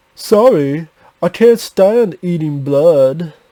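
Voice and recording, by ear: Putting on a whiny character voice, a man speaks at a high pitch with lively intonation. His pace is very slow.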